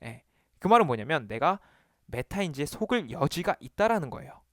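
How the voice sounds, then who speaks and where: An animated man delivers a study lesson straight to the viewer, his fairly high voice bouncing up and down. He acts out quizzing himself aloud, and the sound is close and dry. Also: fairly quick, no room sound. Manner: animated, talks to himself to demonstrate. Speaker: exam study coach. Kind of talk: lively video lesson to camera.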